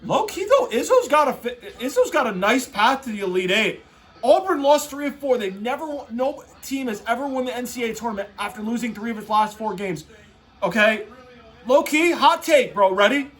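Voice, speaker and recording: A man with an unusually high voice talks in an excitable frat-bro manner. His pitch jumps around a lot as he gives casual, slangy sports takes off the cuff. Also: normal speed. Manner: excitable frat-bro talk, heavy on "bro" and "dude". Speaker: host reacting to a tournament bracket.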